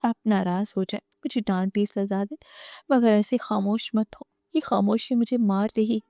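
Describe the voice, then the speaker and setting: A woman voicing a remorseful young wife who pleads softly for another chance. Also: mid-range voice, steady tone, no room sound, close to an everyday voice. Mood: desperate. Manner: pleading, soft.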